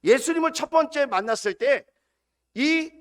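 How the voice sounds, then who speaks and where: A middle-aged man preaching as senior pastor, building to loud repeated cries and dropping to soft, intimate storytelling. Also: very high-pitched, lively intonation, moderate pace. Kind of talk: sermon.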